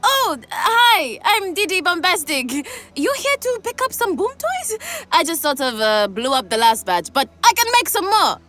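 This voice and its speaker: An actress voicing a manic, cheerful young woman in a video game, excitable and giggly, with a gleeful passion for explosives. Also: very high voice, moderate pace, exaggerated voice. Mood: excited, bubbly. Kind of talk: video game character acting.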